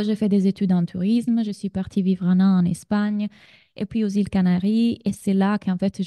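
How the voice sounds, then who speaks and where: A woman's voice: mid-range voice, dark tone, dry recording, studio quality. A woman from Sardinia in her thirties with an Italian accent, leading a live online masterclass as a business coach and chatting directly with her audience. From Sardinia, Italy.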